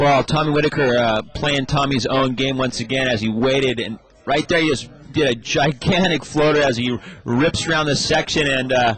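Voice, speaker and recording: Speaking in an American accent at a moderate pace, the voice has fairly even intonation and very even loudness, with noticeable background noise. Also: man, medium pitch for a man. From Southern California. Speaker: surf commentator. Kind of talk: live commentary. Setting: commentary box.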